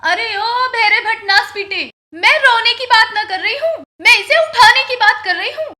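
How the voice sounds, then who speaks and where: A woman's voice: extremely high pitch, animated, measured pace, sharp tone, echoey room, full character voice. An actress playing a fed-up Haryanvi village wife and stepmother who scolds and wails, in a Haryanvi accent. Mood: scolding. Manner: scolding, wailing complaints.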